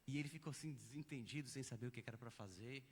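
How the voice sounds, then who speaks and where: A man's voice: mid-range voice, racing, husky. A Brazilian man delivers a conference lecture in a mid-range voice. He is patient and explanatory, building his points with examples. His words ring out with the long reverb of a big auditorium. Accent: Brazilian Portuguese. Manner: didactic, explains step by step with examples.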